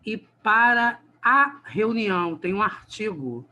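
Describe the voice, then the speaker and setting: A Carioca man from Rio de Janeiro teaches Portuguese grammar online in a chatty, teasing way, speaking directly to his students. His voice is high, animated and sharp-toned, and he talks slowly.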